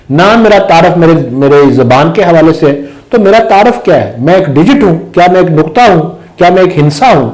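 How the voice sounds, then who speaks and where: An emphatic man with a fairly high voice whose first language is Pahari. He argues his points in a political discussion and keeps pressing with rhetorical questions. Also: darkish tone, rough recording. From Azad Kashmir. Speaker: guest commentator.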